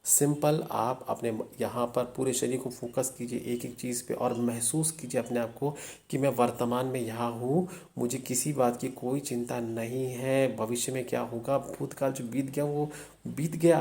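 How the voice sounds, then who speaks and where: A man who teaches meditation, explaining a practice step by step in a calm manner and often checking that the listener is following. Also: medium pitch, moderate pace, creaky, few pauses. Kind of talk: instructional talk on meditation.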